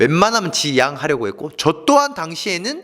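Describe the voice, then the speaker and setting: A man with very wide pitch swings, in a very clean recording with a silent background. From Hadong, South Gyeongsang, Korea. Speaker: youth speaker. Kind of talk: unscripted Q&A talk to camera.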